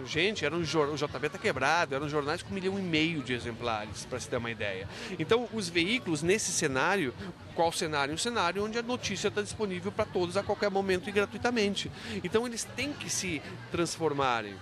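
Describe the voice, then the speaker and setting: Male academic interviewee, fairly high voice, didactic and question-driven, clear crowd bustle behind. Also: lively intonation, fairly quick. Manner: didactic, with rhetorical questions and frequent self-checks. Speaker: university professor interviewed about his book. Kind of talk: spontaneous interview, explanatory.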